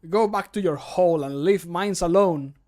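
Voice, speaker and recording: Guy doing a annoyed snappy fantasy game character, kinda high voice, full of scorn. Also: normal speed, darkish tone, natural voice. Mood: scornful threatening. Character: irritated, disgusted fantasy game character hurling insults. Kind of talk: video game mod voice acting.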